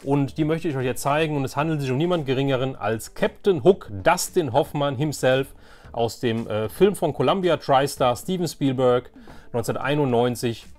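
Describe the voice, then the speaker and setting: A man's voice: mid-range voice, moderate pace, a little mellow, soft background music. A man hosting a casual show-and-tell collecting vlog, enthusiastic and rambling, often repeating himself. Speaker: host of a toy collecting channel.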